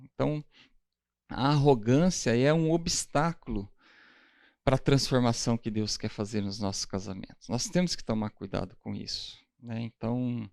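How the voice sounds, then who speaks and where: Speaking with a Brazilian Portuguese accent, a man teaches a Bible class in a conversational way, often tagging sentences with "né?" and putting questions directly to the class. His voice is medium-pitched, creaky and darkish, at a moderate pace, in a dry, studio-quality recording.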